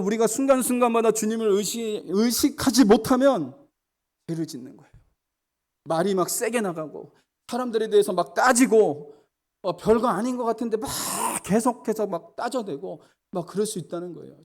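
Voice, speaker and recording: Middle-aged man, pastor, sermon, earnest, slightly high voice, shifts between loud emphasis and quiet storytelling.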